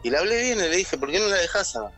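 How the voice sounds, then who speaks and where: Very animated and fast, this Argentine-accented caller has a high, somewhat bright voice as he recounts a personal story on the air. He performs the voices of everyone he quotes. Faint music can be heard behind him.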